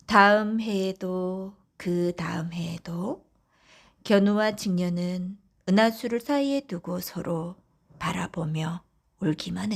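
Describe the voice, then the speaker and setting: A woman narrating folk tales for bedtime in a soft, often whispery, gentle voice. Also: lowish voice, creaky. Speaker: audiobook narrator.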